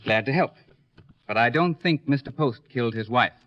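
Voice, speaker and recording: An actor playing a courteous, careful lawyer in an old radio detective serial, speaking in a measured, matter-of-fact way. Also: male voice, medium pitch, expressive, dry recording, lightly acted. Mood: careful, polite. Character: courteous, measured professional male lawyer being questioned. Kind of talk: 1950s American radio detective serial acting. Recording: dry, dull old radio recording.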